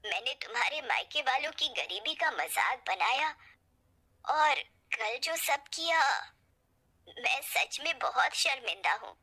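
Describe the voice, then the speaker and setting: A woman's voice: high-pitched, expressive, measured pace, pushed and bright, full character voice. A woman voicing a harsh, sneering middle-aged mother-in-law in a spoken storybook tale. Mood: remorseful. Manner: sneering, contemptuous.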